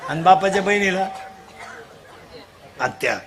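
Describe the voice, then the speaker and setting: High bright-voiced preacher teasing a crowd. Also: male voice, lively intonation, measured pace, soft background music. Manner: teasing, quizzes children and crowd, calls for loud answers. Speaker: kirtan preacher. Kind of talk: comic devotional kirtan. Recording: live crowd with faint noise.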